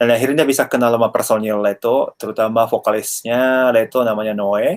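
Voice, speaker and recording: A man with a Japanese accent speaks at a medium pitch with fairly even intonation, his voice dry and close with no echo. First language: Japanese (speaking Indonesian). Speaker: actor and former lecturer. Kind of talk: interview.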